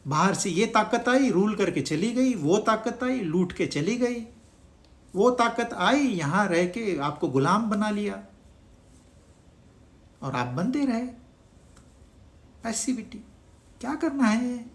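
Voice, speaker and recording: Spiritual teacher, unhurried, lively melody, rhetorical questions, scripture talk. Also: mid-range voice. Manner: asks the listeners rhetorical questions; mixes in English words. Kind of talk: Hindi discourse on scripture.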